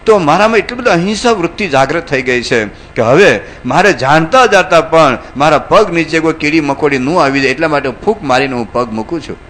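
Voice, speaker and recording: Animated male preacher telling parables. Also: a little high, a little hiss or hum. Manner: animated, acts out characters. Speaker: monk preacher. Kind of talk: sermon storytelling.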